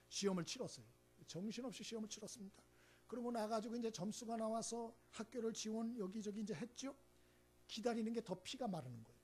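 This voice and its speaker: Speaking in a very high, husky voice, a male senior pastor preaches his Sunday sermon from the church sanctuary. He addresses the congregation in a conversational, emphatic style, frequently checking in with a rhetorical "eh?".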